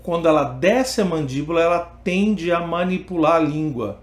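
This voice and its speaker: Brazilian singing teacher, echoey room. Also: male voice, fairly high pitch, animated, moderate pace. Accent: Brazilian Portuguese. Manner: explains step by step, then sings vowel examples. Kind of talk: online singing lesson with sung demonstrations.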